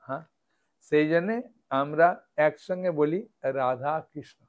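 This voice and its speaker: Man, devotional lecture, raised pitch, explains step by step, checks in with listeners. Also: unhurried. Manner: explains step by step, often asks listeners "understood?" and "yes?". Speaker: monk preacher.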